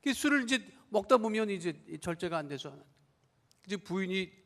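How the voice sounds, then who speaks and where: This pastor's voice sits high and fairly bright, with lively intonation and a moderate pace, echoing with a big-room sound through the church sanctuary. Preaching his sermon, he tells a story and acts out the family members he quotes.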